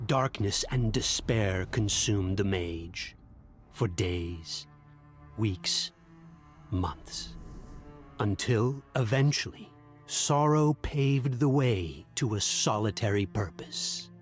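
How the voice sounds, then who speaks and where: A man narrating a dark fantasy game tale as a grave storyteller, in a solemn, dramatic, measured manner. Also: lowish voice, expressive, soft background music.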